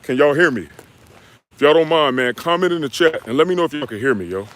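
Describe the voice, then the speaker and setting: A young man from the United States, a fitness coach answering viewers' questions on a live stream in a relaxed, slangy way. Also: on the high side, fast. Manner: laid-back, slangy, talks straight to viewers with "y'all" and "man". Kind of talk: live stream Q&A, reading chat comments.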